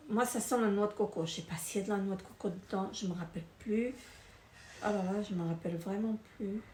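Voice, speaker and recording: A woman's voice: medium pitch, darkish tone. A middle-aged woman casually reviewing finished beauty products, hesitant, with many fillers and repeated words. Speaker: beauty vlogger. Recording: echoey room with faint noise.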